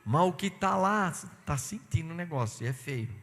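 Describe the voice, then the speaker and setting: A man, a pastor, giving an animated sermon and telling stories, acting out dialogue. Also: on the high side, moderate pace, a little hiss or hum. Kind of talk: sermon with personal anecdotes. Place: church sanctuary. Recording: long church hall reverb.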